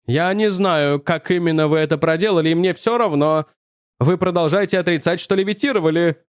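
A man voicing an agitated older male physics professor with a shrill voice, accusing and insistent. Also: a little fast, no room sound, studio quality, close to an everyday voice. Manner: accusing, insistent, increasingly frantic.

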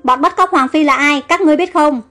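A woman's voice: sits high, fast, pushed and bright, faint music behind. A woman voicing a young, hot-tempered male pharaoh who speaks in a commanding, impatient way. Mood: angry.

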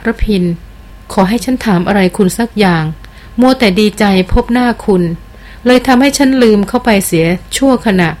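A woman's voice: a little high, moderate pace, a little mellow, lightly acted. A woman reading the part of a noblewoman explorer, earnest and urgent in an audiobook.

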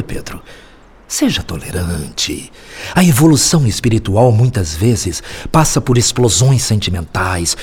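An actor playing a wise, patient spirit mentor in a radio drama, speaking in a measured, instructive, solemn way. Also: male voice, fairly low pitch, darkish tone, husky. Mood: encouraging counsel.

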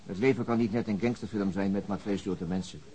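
An actor playing a weary, middle-aged chief inspector in a radio drama, gruff and dry, with hesitant, understated speech. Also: male voice, lowish voice, fairly even intonation, fast talker, mellow, lightly acted. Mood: resigned. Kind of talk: naturalistic radio drama acting.

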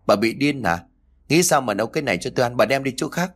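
A man voicing a harsh young mother who scolds her mother-in-law in a rude, fast voice. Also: mid-range voice, animated, fairly bright tone. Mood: scolding.

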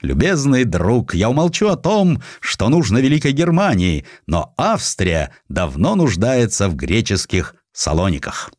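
A man's voice: mid-range voice, very animated, measured pace, hardly any pauses, darkish tone, no echo, clean studio sound, voice pushed up. A man playing a brazen, over-familiar, condescending German prince in a dramatized audiobook. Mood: insinuating, familiar.

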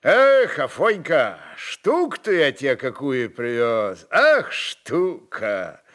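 Man acting a gruff, animated Cossack chieftain. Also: mid-range voice, takes it slowly, full character voice. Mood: exuberant. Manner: terse, folksy Cossack dialect. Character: commanding, wily Cossack chieftain, male, gruff but playful.

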